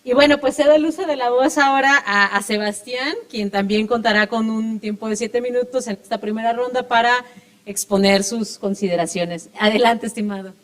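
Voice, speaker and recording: A woman's voice: fairly high pitch, normal speed. A woman moderating a panel, polite and courteous as she hands over the floor. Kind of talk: formal moderation.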